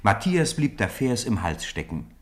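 A man's voice: fairly low pitch, sing-song, a little slow. A man narrating a children's radio play as a scripted storyteller.

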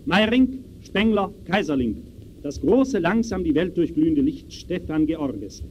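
Solemn declaiming lecturer, radio play style, highish voice, slight hiss. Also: male voice, lively intonation, a little slow, a little mellow, lo-fi sound. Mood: grave, portentous. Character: grave male lecturer diagnosing a restless age. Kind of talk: scripted radio play monologue.

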